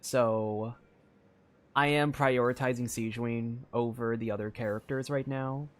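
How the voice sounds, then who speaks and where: This streamer's medium-pitched voice keeps a steady tone and moves a little slowly. He chats casually on his gaming live stream, distracted and thinking aloud, with video game music in the background.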